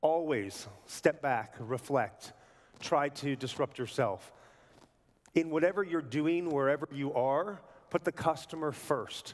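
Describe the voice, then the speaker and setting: At a fairly slow pace, the speaker talks in an animated tone with ordinary pitch variation. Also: man, fairly high pitch for a man. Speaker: conference keynote speaker. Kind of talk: conference keynote talk. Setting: stage with audience.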